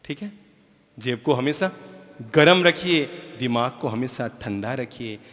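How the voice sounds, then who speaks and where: A man's voice: mid-range voice, expressive, measured pace, fairly bright tone, in a large hall. A male spiritual teacher giving a sermon, emphatic and repeating key phrases, often asking his audience questions.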